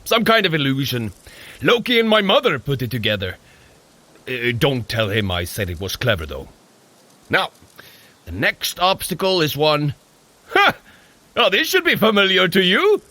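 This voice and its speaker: An actor playing a boisterous, cheerful Norse warrior god in an audio drama, with theatrical, grand old-fashioned phrasing. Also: male voice, fairly high pitch, sing-song, moderate pace, pauses often, sharp tone. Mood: gleeful warning.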